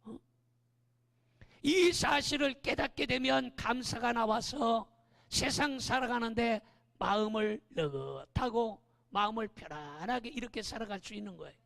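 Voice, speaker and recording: A male pastor preaching a lively sermon in a church, often raising his voice and prodding the congregation with quick questions. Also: very high-pitched, vocal fry. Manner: animated, often shouting, keeps asking the congregation "eh?". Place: church sanctuary. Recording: long church-hall reverb.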